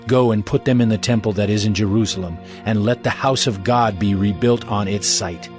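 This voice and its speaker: Solemn Jewish elders give their reply, voiced by a man in a low, steady voice. Faint music runs beneath this dramatized scripture scene. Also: natural voice. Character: male Jewish elders answering the officials, solemn. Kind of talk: dramatized Bible audio reading.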